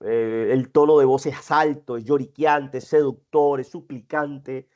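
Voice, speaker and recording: A man's voice: mid-range voice, steady tone, unhurried, a little mellow. A man giving a didactic lecture to teachers, listing traits one by one and checking in with his audience. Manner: explanatory, lists traits one by one, checks in with "right?". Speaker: lecturer at a faculty development talk. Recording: dull lo-fi recording.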